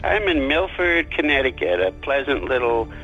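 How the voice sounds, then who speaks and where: A man speaking as an interview guest, an author, conversational, measured and wryly modest, on a remote recording. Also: mid-range voice, lively intonation, highs cut off, faint music behind.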